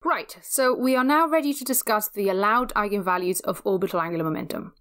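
A woman giving a scripted physics lecture, explaining step by step in a measured, methodical way. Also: mid-range voice, a bit bright, smooth.

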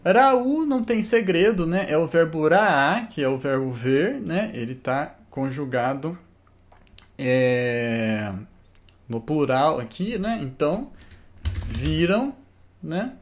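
A man's voice: fairly high pitch, very animated. A man teaching Hebrew in an online lesson, explaining a verse word by word and ending lines with "né?" and "tá?". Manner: slow and explanatory, tags lines with "né?" and "tá?".

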